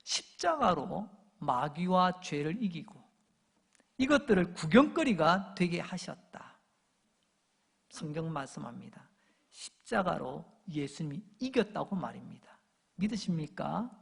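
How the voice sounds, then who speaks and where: Gravelly-voiced male pastor preaching in a reverberant hall. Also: on the high side, a little slow. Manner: animated preaching, acting out crowd shouts and taunts. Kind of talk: sermon. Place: church sanctuary. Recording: long church hall reverb.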